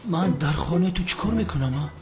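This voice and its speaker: A man's voice: on the high side, lightly acted. A man dubbing a TV drama, voicing a confused man waking up chained in a stranger's home. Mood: bewildered. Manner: bewildered, questioning. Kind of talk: dubbed TV drama. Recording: dull lo-fi TV audio with music.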